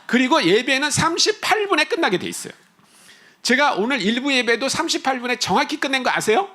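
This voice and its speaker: A man preaching a sermon as a guest missionary, animated and humorous, with chatty asides to the congregation. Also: extremely high pitch, a little fast.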